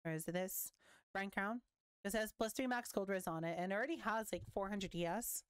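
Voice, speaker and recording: A young woman talks through game update notes in a loose, reactive way, tossing in casual swears. Her voice is smooth and clear but starting to wear out. It is recorded close and dry, with no room sound. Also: mid-range voice, normal speed, no echo. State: losing her voice. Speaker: gaming content creator. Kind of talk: casual commentary reading patch notes.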